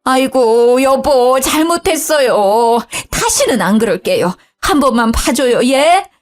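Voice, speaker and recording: A woman doing a shrill, sharp-tongued older mother-in-law, snappish and whining, high and lively in pitch. Soft music hums under this storybook figure. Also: unhurried.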